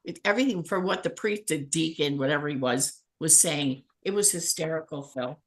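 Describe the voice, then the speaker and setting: A middle-aged woman with a slightly low voice tells a long, animated anecdote in a casual chat. She laughs often as she goes and keeps an easygoing storyteller's rhythm. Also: normal speed. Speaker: spiritual healer and guest. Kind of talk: casual storytelling on a talk show.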